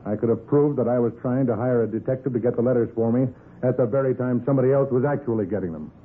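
A man's voice: mid-range voice, fast talker, close to an everyday voice. A man playing a pompous, domineering store boss in a 1940s radio crime drama, clipped and threatening in manner. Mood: smug, unapologetic. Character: imperious, threatening male department store boss. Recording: muffled, scratchy 1940s radio recording.

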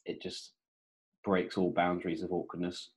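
Young male podcast co-host, deep voice, relaxed rambling chat over a video call. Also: moderate pace, low-quality recording. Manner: laid-back, rambling with many fillers.

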